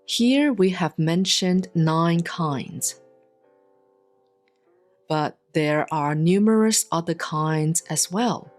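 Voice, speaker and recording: A woman reads a Buddhist sutra aloud in a solemn, scripted style, with measured, deliberate enunciation and long pauses. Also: fairly low pitch, darkish tone. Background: instrumental music.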